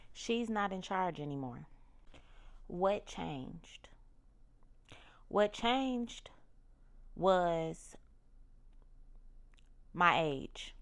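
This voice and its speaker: A woman's voice: sits low, vocal fry, fairly bright tone. A woman in her thirties hosting a podcast, talking candidly and emphatically about her own growth, often repeating her key phrases. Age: 30s. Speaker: podcast host. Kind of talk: personal reflective monologue.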